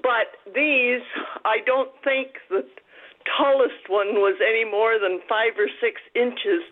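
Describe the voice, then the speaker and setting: A woman calling in to a radio show on speakerphone, telling her story haltingly with many pauses. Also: on the high side, steady tone. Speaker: radio call-in caller. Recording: tinny speakerphone line, somewhat distant.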